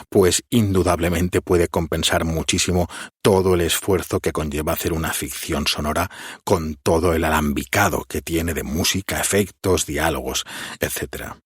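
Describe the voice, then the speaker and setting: Podcast guest guy, really low husky voice, calm and thoughtful, dry close recording. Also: dry recording. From Spain. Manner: calm, deliberate and reflective, with occasional fillers. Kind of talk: answering interview questions.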